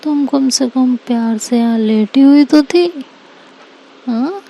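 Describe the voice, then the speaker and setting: A woman's voice: fairly high pitch, slow, vocal fry, warm tone, heavily acted, rough recording. A woman voicing Seerat, a playful young woman who jokes and teases her partner from a sickbed. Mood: teasing. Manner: teasing, joking. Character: young woman, playful teasing girlfriend recovering in bed.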